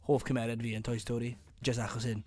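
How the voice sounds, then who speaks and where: A man's voice: medium pitch, level tone, fast, a little mellow, soft background music. A Welsh man bantering casually and playfully in a comedy impressions challenge, switching between impression voices.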